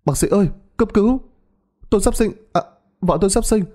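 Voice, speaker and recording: A man voicing a flustered young husband who rushes and stammers, shouting in a storybook tale. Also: high-pitched, pitched above the performer's own voice, natural voice. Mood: frantic.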